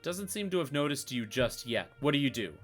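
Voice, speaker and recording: A man's voice: medium pitch, big pitch swings, soft background music. A man narrating as game master of a tabletop game, laid-back and full of "um"s. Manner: laid-back, with frequent "um" and quick chuckles.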